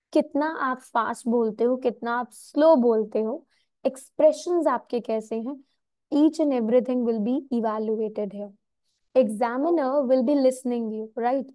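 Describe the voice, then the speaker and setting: A woman's voice: on the high side, mellow, no room sound. A woman with an Indian accent teaching an IELTS class live, mixing Hindi and English and often checking whether students follow. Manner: mixes Hindi and English, asks students if clear. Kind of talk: live online class lecture.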